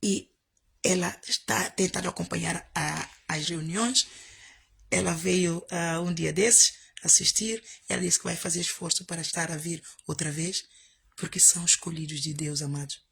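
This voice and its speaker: A woman's voice: on the low side, steady tone, normal speed, creaky, fairly bright tone, husky. A woman pastor preaching, telling a story and repeating her points with emphasis. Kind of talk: storytelling sermon.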